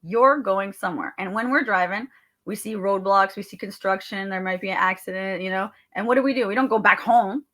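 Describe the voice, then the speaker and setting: A woman's voice: medium pitch, a little fast, a bit bright. A middle-aged woman talking in an emphatic, motivational way as a guest in a casual interview. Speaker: guest author and grief recovery speaker.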